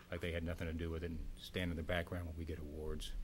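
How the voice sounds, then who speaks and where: A somewhat breathy voice speaks in a flat monotone at a fairly quick pace over light background noise. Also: man. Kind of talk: press briefing statement. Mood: warm, appreciative. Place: hall. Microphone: podium.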